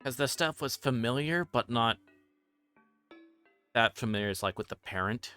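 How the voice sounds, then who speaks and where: A man's voice: mid-range voice, animated, normal speed, pushed and bright, clean tone, faint music behind. A man reading game text aloud and commenting casually as he streams a visual novel. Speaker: livestreamer playing a visual novel.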